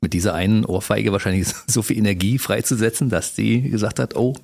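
Male radio host, low voice, husky, chatty and enthusiastic, interviewing a guest in the studio. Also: fairly quick, a little mellow, no room sound. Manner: chatty and enthusiastic, often laughing. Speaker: radio talk show host.

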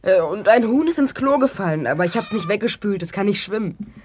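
A woman's voice: mid-range voice, expressive, a little fast, darkish tone, slight background noise, close to an everyday voice. A woman playing a matter-of-fact, artless young child in an old children's radio play.

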